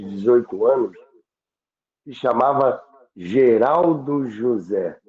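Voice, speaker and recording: A roomy, phone-like recording of a Brazilian-accented man telling stories. He speaks slowly and haltingly, in a fairly high voice, repeating words for emphasis. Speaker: radio history storyteller on a podcast. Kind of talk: anecdotal storytelling talk. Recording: roomy, tinny phone-like sound.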